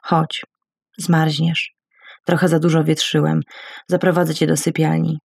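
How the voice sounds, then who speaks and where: A woman reading a gentle older husband. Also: low-pitched, level tone, measured pace, vocal fry, dry recording, clean studio sound, full character voice. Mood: caring. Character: gentle, patient older husband caring for his wife.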